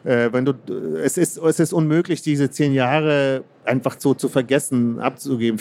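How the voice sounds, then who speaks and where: A man from Kazakhstan speaks as an interviewed author, mid-pitched and measured. He weighs his words, pausing on fillers and restarting sentences as he thinks. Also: a little mellow. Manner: thoughtful, hesitant, many fillers and restarts. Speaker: author guest. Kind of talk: interview answers.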